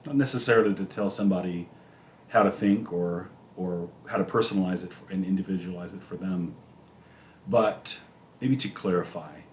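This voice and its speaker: Deep-voiced man in an echoey room. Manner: trailing off quietly, many fillers. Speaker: podcast co-host. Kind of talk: casual podcast talk. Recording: echoey room with faint noise.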